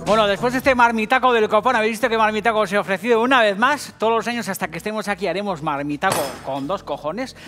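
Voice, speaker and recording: A high-voiced, middle-aged man with a Basque Spanish accent, demonstrating a recipe on a TV kitchen set. He talks straight to the viewers, full of jokes and swearing. Faint music plays behind him. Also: fast, hardly any pauses, fairly bright tone. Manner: profane, jokey, addresses viewers directly. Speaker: TV cooking show host. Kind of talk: casual cooking demonstration.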